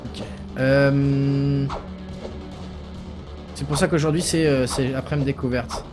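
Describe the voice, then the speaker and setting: A man's voice: medium pitch, fairly even intonation, slow. A man streaming a game live, chatting casually, reacting aloud and swearing freely as he plays. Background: game music.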